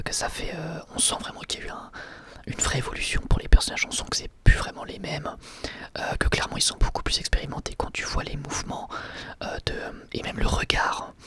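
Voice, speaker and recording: A man giving a whispered ASMR review of an anime episode, soft and unhurried, full of hesitations and casual slang. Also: a little high.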